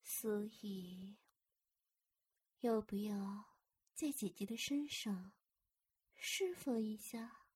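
Woman doing a super breathy husky big sis voice, slow and coaxing, whispers a lot, right up on the mic. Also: medium pitch, a little mellow, full character voice. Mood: soothing, tender. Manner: coaxing and soothing, often whispered. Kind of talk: intimate audio roleplay.

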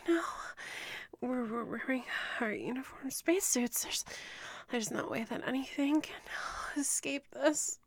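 A proud young ensign in an audio drama, played by a woman, her high voice breathy and often dropping to a whisper. She stammers and pleads in a flustered rush of resentment. The sound is dry and close. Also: no echo, heavily acted. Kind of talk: audio roleplay acting.

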